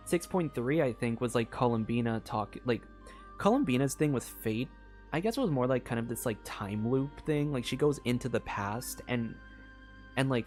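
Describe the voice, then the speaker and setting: A woman's voice: very deep voice, darkish tone. A woman streamer giving casual game commentary, theorizing aloud in a rambling way that keeps circling back. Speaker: streamer playing and reacting to a game.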